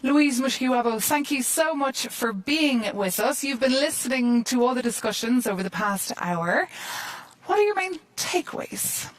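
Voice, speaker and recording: A woman hosting a panel event, introducing guests in a smooth, polished presenter style. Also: high voice, expressive, moderate pace, no room sound, rough recording. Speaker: event host. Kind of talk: moderating a panel.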